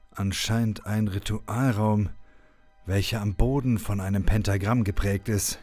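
A man with a fairly low voice narrates a homemade audio drama. His delivery is scripted and dramatic, setting scenes in a storyteller's manner, with music playing underneath. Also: a little mellow. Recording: music bed behind the voice.

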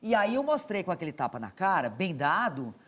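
A woman guest on a talk show, telling lively stories and laughing often. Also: lowish voice, a little fast. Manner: animated storyteller, laughs often.

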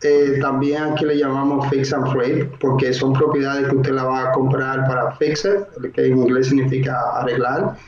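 A man from the Dominican Republic, a mortgage broker and investor, explaining slowly in an interview with many filler sounds. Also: medium pitch, steady tone, a little hiss or hum. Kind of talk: interview answers. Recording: roomy, dull lo-fi sound.

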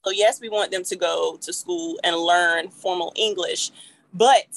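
A woman's voice: fairly low pitch, fairly even intonation, a little slow, gravelly, no room sound, low-quality recording. A woman with an African American accent speaking emphatically in a group discussion, often checking for agreement. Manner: emphatic, seeks agreement with "right?". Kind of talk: animated panel discussion.

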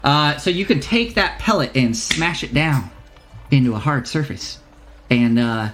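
A man's voice: mid-range voice, animated, a little slow, fairly bright tone, soft background music. A man voicing a shifty, greedy male potion shopkeeper in a tabletop game, with a put-on accent that keeps slipping as he stalls for answers. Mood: chatty. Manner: stalling and hesitant.

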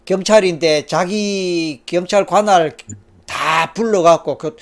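A man with a high-pitched voice leads a counseling session. He coaxes and prompts, in a ceremonial, encouraging tone. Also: slow pace, vocal fry. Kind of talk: guided trance counseling session.

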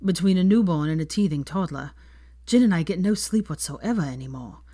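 A woman reading the lines of a young man who is a tired, blunt father, speaking in a low, muttered, weary way. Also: lively intonation, brisk, mellow, no echo, studio quality.

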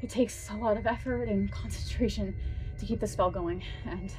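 A woman's voice: mid-range voice, steady tone, moderate pace, music in the background, lightly acted. A woman playing an earnest witch in a horror noir audio drama, pained and straining to hold her spell. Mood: strained, warning. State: in pain, strained.

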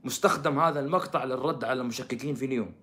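A man giving sarcastic live-stream commentary, swinging from loud outbursts to soft mutters. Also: mid-range voice, very fast. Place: living in Canada.

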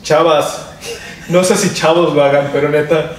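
A man's voice: on the high side, fairly even intonation, normal speed. Young Mexican male co-host, confident advice tone, recorded roomy and off-mic. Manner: confident, advice-giving, slangy. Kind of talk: casual chat. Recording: roomy, distant mic, faint noise.

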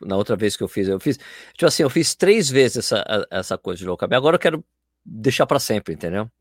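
Fast-talking man, dry sound. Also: fairly low pitch, no room sound. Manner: animated, talks in loose run-on phrases with many fillers. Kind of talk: casual chat.

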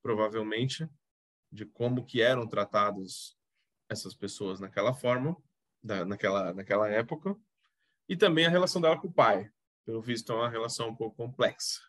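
A man's voice: on the low side, normal speed, fairly bright tone, dry recording. Brazilian guy cohosting a podcast, easygoing chatter, coughs here and there. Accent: Brazilian Portuguese. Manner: chatty, coughing now and then. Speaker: podcast co-host. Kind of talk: casual chat reviewing a TV series.

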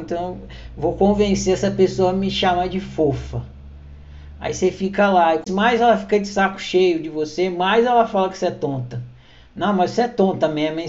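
A man's voice: sits high, darkish tone. A man giving a conversational spiritual teaching, explaining with everyday examples and acting out quoted lines. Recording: muffled lo-fi recording.

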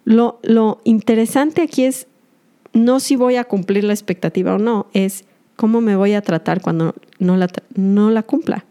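A woman's voice: medium pitch, normal speed, warm tone, smooth. A woman podcast host, earnest and confessional, speaking directly to her listeners in a reflective monologue.

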